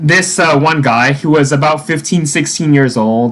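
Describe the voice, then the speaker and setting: A man talks at a fairly slow pace. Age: 20s. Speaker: vlogger. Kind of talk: casual monologue recap. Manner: halting, many fillers and restarts.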